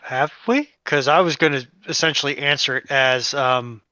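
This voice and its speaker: A man with a smooth, bright voice speaks as a panellist in a casual chat. He is measured and careful to qualify his points, and the sound is dry and a little muffled by a lo-fi microphone. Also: medium pitch, no room sound. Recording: slightly dull, lo-fi microphone sound.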